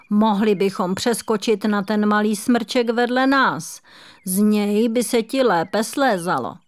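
Female reader as a warm-hearted squirrel in a storybook; gentle, encouraging, motherly. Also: medium pitch, close to an everyday voice. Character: cheerful, kind rust-red female squirrel. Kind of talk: children's audiobook reading.

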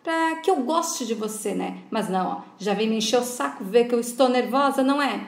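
Brief: woman voicing a snappish mother, higher pitch, echoey room. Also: fairly quick, close to an everyday voice. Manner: snappish, exasperated. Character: tense, irritable mother, quick to snap.

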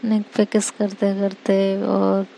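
A woman telling a romance story in a relaxed, conversational way with casual filler phrases. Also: mid-range voice, slow, gravelly, slight background noise.

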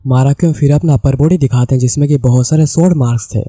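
A man with an Indian accent narrating a comic story recap, voicing the characters' lines in his own steady voice. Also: mid-range voice, fast talker, dry recording. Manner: steady retelling, reads characters' lines in the same voice. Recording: dry close recording with soft background music.

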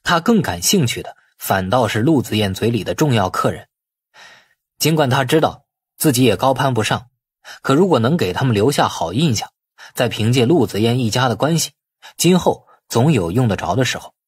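A man's voice: medium pitch, lively intonation, moderate pace, breathy edge, no echo, clean studio sound. A man narrating a novel as an audiobook in a scripted storytelling style.

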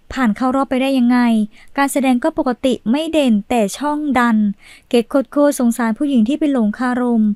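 A woman with a high voice reads viewer comments aloud as the channel's host. Her delivery is steady, with a brief pause before each new comment. The sound is dry and close. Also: dry recording.

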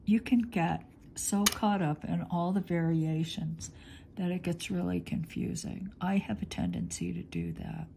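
A middle-aged polymer clay artist teaches from her home studio, speaking slowly and thinking aloud as her hands work, sniffly and congested. Her fairly low, creaky, mellow voice has lively intonation, recorded by an overhead camera on her hands with her off screen and slight background noise.

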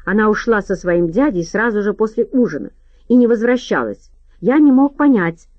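A hot-tempered, defensive young man, as a woman narrator puts him on. He talks bitterly and a little louder than the narration. The sound is dry and slightly muffled. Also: medium pitch, expressive, normal speed, no room sound, pitched above the performer's own voice, close to an everyday voice.

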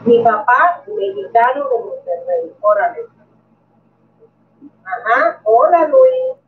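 A woman's voice: high-pitched, big pitch swings, slow pace, slight background noise. A middle-aged woman with a Puerto Rican accent hosts a live stream from her bedroom, chatting and greeting viewers by name. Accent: Puerto Rican Spanish. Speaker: coin collecting youtuber. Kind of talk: live stream chat reading comments. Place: bedroom at home. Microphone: webcam. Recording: tinny, distant webcam sound.

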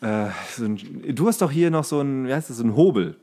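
A man's voice: mid-range voice, lively intonation, mellow. Man rambling through a casual story. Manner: halting, self-correcting storytelling. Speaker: podcast host. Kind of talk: casual chat, rambling anecdote.

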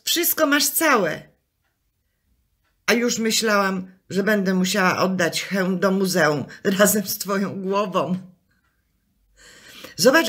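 A woman's voice: lowish voice, fairly bright tone. A woman playing a chatty, fussing, cheerfully muddled wife in an amateur radio comedy, coaxing and exclaiming.

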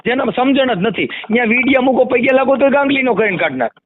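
A man with a Kathiawadi Gujarati accent argues his points insistently in an animated phone discussion, explaining and repeating phrases for emphasis. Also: very high voice, fast talker, slight background noise. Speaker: community activist. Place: phone call. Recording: muffled lo-fi phone call recording.

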